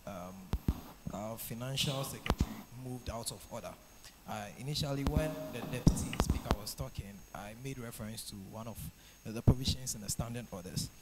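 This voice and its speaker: Young ghanaian man lecturing the house, formal, steady noise behind him. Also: mid-range voice, a little fast. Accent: Ghanaian English. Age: young adult. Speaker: student parliament member. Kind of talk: raising a point of order.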